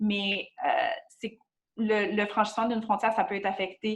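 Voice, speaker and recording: A woman with a Quebec accent speaks at a moderate pace in a medium pitch, her intonation flat and monotone. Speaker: workshop facilitator. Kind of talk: interactive webinar presentation. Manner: halting, many fillers.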